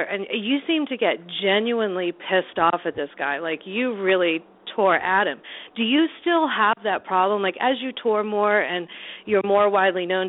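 A woman co-hosting a podcast interview, chatty and enthusiastic in her questions. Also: mid-range voice. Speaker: podcast co-host. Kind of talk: casual interview chat. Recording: tinny phone-like line.

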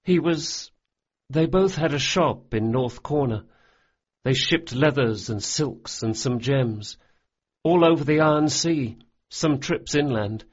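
A man doing a gentle, quiet big boy. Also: medium pitch, lively intonation, breathy edge, dull audio, pitched above the performer's own voice. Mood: sad. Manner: soft, halting and hesitant.

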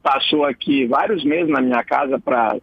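A man's voice: medium pitch, normal speed, vocal fry, slightly rough, no room sound. A man giving a casual, digressive radio column as a writer, explaining words with chuckles along the way. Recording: dull lo-fi radio broadcast.

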